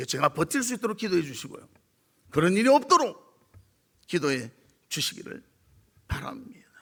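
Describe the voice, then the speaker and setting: A man with a strong Gyeongsang accent, high pitch and very wide pitch swings, at a fairly quick pace broken by long, frequent pauses. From Gyeongsang region, South Korea. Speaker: senior pastor. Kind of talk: sermon. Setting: church.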